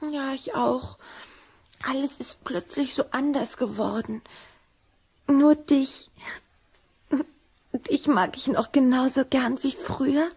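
A bold little vampire girl in a children's audio drama. The voice is high and girlish, eager and full of affection. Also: slow pace, pauses often, darkish tone, slightly rough, heavily acted. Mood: eager, affectionate.

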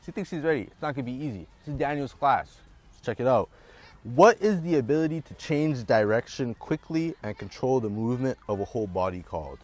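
A man's voice: medium pitch, lively intonation, brisk. A young man from Toronto, hosting an informal, bantering interview outdoors. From Toronto, Canada. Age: young adult. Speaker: student show host, interviewer. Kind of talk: casual interview chat. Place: outdoor sports field.

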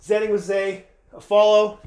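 A man's voice: sits high, flat delivery, normal speed, a little mellow. A man in his forties with a runny nose, chatting casually to viewers as he explores an empty abandoned house on a handheld camera. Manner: chatty, keeps addressing viewers as guys. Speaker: urban explorer vlogger. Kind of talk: casual walkthrough narration.

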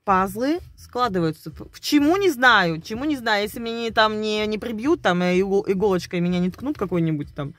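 A woman's voice: medium pitch, animated, brisk, few pauses, a bit bright, no room sound. A woman talking casually and conspiratorially to her viewers, rambling and hesitant, breaking off words and repeating them as she chews over word roots aloud. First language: Russian. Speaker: video blogger. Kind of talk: casual speculative monologue to viewers.

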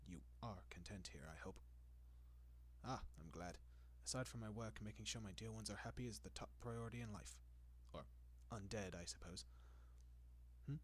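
In this intimate roleplay clip, a male actor plays a vampire who has lived for centuries, using a husky, fairly low voice. He stays polished and polite, softly coaxing with drawn-out pauses, and his mood is doting, pleased and possessive.

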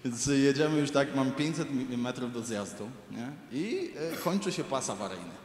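Animated man doing stand-up in an arena. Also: mid-range voice, normal speed, a little hiss or hum. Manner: animated, profane, acts out quoted people. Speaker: stand-up comedian. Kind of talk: stand-up storytelling. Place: large arena stage. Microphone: handheld stage mic. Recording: echoey arena, crowd ambience. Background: audience laughter.

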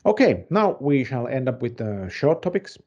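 A middle-aged man presenting news semi-casually, in a halting, measured way. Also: mid-range voice, sing-song, darkish tone, muffled recording.

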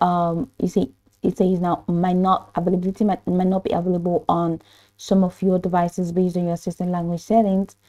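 A woman narrating a step-by-step software tutorial in an instructional manner, hesitant in places. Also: fairly low pitch. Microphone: voice-over for screen recording.

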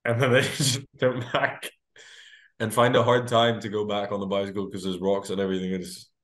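A teenage man from Greece on a video call from a small room, his somewhat low voice carrying a roomy echo. He talks in lively bursts, restarting phrases and breaking into laughter. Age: teens. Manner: animated, quick, full of restarts and laughter. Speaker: guest singer. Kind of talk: casual video-call interview.

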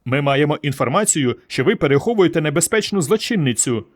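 A man voicing a gruff, bullying male police sergeant who threatens and insults. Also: on the high side, animated, a little fast. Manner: loud, rude, threatening.

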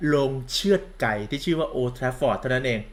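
A man's voice: medium pitch, moderate pace, slight background noise. A campy man gives a sarcastic, crude-mouthed football commentary rant, calling himself big sister. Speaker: football vlogger.

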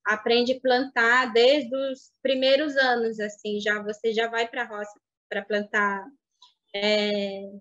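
A woman in her thirties whose first language is Baniwa, telling her life story in an interview, reflective and halting, over a video call. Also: a little high, flat delivery. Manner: reflective, halting with restarts and soft fillers. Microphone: webcam on video call. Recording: dull lo-fi video call audio.

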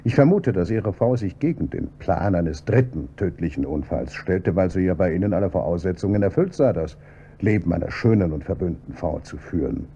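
An actor playing an insistent police inspector in a German radio crime drama, questioning in a measured, pointed way. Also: male voice, deep voice, lively intonation, mellow. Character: probing male police inspector, calm and insistent. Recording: dull old radio recording with faint hum.

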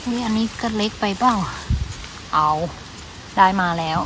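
A young woman with an Isan Thai accent, chatting casually and excitedly to viewers while foraging outdoors, full of exclamations. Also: fairly high pitch, normal speed. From Isan, Thailand. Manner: exclamatory, excited, mixing in dialect. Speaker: vlogger, forager. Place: outdoors in a leafy forest. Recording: noisy outdoor phone-video sound.

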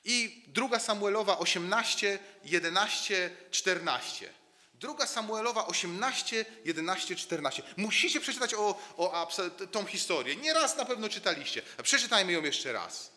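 A man's voice: high voice, animated, moderate pace, bright, forceful tone, long reverb tail. A man preaching a sermon in a church, telling the story dramatically, dropping to a near-murmur and rising again, often repeating words as he builds a point.

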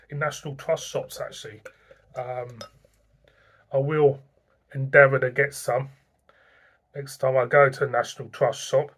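A middle-aged man talks through a tasting in a loose, chatty way. His voice sits a little high for a man. He is recorded on a desk camera in a small room at home. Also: fairly bright tone. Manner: chatty, rambling, plain-spoken. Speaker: beer reviewer. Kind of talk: casual beer-tasting review to camera.

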